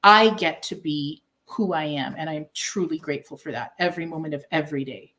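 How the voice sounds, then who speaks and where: A woman from Canada, a guest on an interview, answering in an earnest, proud, measured way with pauses. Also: low voice, fairly bright tone.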